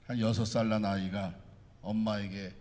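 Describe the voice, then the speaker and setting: A man's voice: lowish voice, little pitch movement, normal speed, darkish tone. A man preaching a sermon as pastor, with impassioned, repetitive cadences. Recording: echoey church hall.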